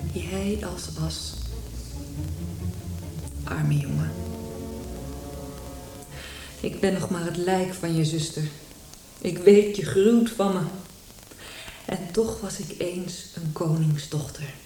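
A woman's voice: fairly low pitch, big pitch swings, slow pace, pauses often, dark tone, faint music behind. An actress playing a grief-stricken king's daughter consumed by hatred, declaiming solemnly in a classical tragedy for radio. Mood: anguished, solemn. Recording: echoey hall, distant microphone.

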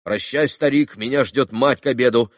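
A man voicing a proud, excitable teenage schoolboy who talks in hurried, emotional bursts. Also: mid-range voice, no room sound, studio quality, lightly acted.

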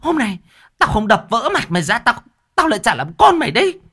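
Shrieking older village wife, very high, loud, coarse cursing. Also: male voice, huge pitch swings, brisk, slightly rough, heavily acted. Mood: wailing.

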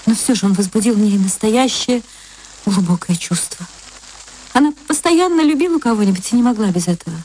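A woman's voice: mid-range voice, lively intonation, fairly quick, mellow. A woman narrator reading literary fiction as a radio story, with a little noise on the recording.

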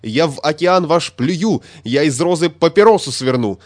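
A man voicing a hysterical, puffed-up little male statistician who shouts and rants indignantly. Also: expressive, moderate pace, no echo, close to an everyday voice. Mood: furious. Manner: shrill, shouting, indignant ranting.

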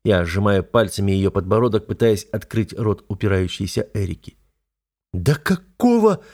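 A man narrating a first-person novel as an audiobook, measured and intimate. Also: on the low side, steady tone, a little mellow.

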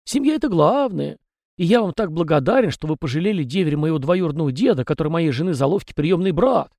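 A man's voice: on the high side, expressive, fast talker, a little mellow, no echo, studio quality, pitched above the performer's own voice. A man voicing a small, talkative male house spirit with rustic, folksy peasant speech. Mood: chatty folksy.

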